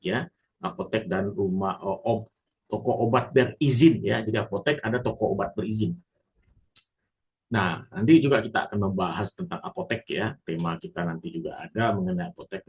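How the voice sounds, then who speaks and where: A man lecturing on legal rules to an audience, explaining step by step, often pausing on a filler and restarting phrases. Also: fairly low pitch. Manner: addresses audience formally. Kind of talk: spoken lecture.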